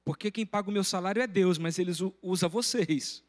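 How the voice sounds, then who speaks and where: High-voiced pastor preaching. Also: male voice, brisk, soft background music. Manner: storytelling, breaks into loud shouting when retelling a confrontation. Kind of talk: sermon.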